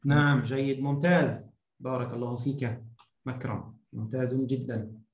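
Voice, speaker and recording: A man teaching a beginner language lesson over a video call, enunciating deliberately, prompting and repeating. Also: medium pitch, steady tone, darkish tone. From Egypt. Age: 30s. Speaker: Arabic teacher. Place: small indoor room, video call. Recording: roomy echoing online-call sound.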